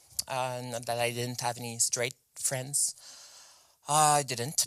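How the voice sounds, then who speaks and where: A woman with a French Canadian accent speaks at a very slow pace in a very deep, low voice with ordinary pitch variation. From Quebec, Canada. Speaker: cartoonist and author. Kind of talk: author talk to library audience. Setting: stage with audience in library. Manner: hesitant, many fillers and restarts; playful, joking.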